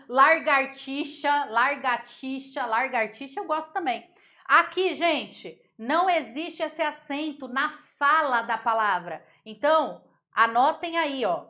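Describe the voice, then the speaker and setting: A woman teaching a Portuguese grammar lesson, playful and laughing at common mispronunciations, repeating words slowly to drill them. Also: a little high, a bit bright.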